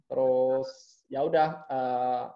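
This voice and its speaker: A man's voice: mid-range voice, slow pace. A man as an interview guest, chatting casually and acting out the people in his stories. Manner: animated storytelling, acts out quoted bosses. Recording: muffled lo-fi audio.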